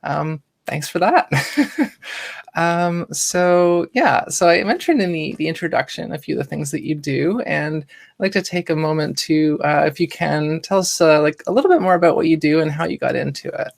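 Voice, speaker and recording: A woman's voice: low voice, moderate pace, gravelly. A woman hosting a podcast interview, talking casually and rambling a bit, with lots of fillers and restarts. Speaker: podcast host. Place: Toronto, Canada.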